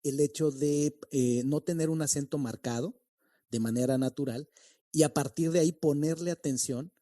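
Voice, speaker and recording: A man from Mexico City with a neutral Mexican accent, hosting a podcast interview and talking in a reflective, halting way with many restarts. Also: fairly high pitch, mellow, dry recording, clean studio sound. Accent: neutral Mexican Spanish. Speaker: podcast host.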